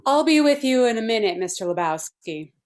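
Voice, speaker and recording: A woman playing a brisk, haughty feminist artist in a script read, speaking in a formal, clinical, matter-of-fact way. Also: fairly high pitch, very animated, darkish tone. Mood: brisk, detached. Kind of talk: table read of a film script.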